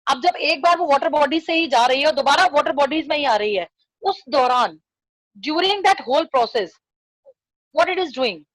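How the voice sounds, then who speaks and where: A woman's voice: high-pitched, lively intonation, very fast, no room sound, low-quality recording. A woman with a South Asian accent teaching a poem in a classroom lesson, repeating phrases and questions for emphasis.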